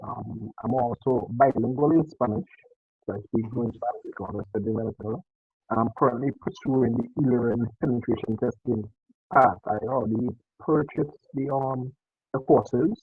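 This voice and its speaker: A man speaks over a poor video call connection, his voice husky and narrowed to a phone-like band. He runs through a long introduction, pausing on fillers as he goes. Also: medium pitch, no room sound. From Caribbean. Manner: long, detailed self-introduction with hesitant fillers. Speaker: audience member asking a question. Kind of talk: casual question on a video call. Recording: muffled tinny call audio, very dry.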